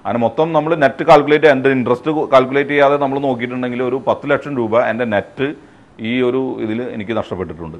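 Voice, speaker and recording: A man from Thrissur district in Kerala, India, recounts being defrauded in an unscripted interview. He speaks haltingly in a mid-range voice, often searching for words and mixing in English. The recording is muffled.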